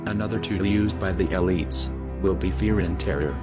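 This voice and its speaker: A man speaking through a voice disguise that makes him sound deep, reading a scripted anonymous message in a grave, lecturing way. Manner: slow, grave, lecturing delivery. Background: loud music.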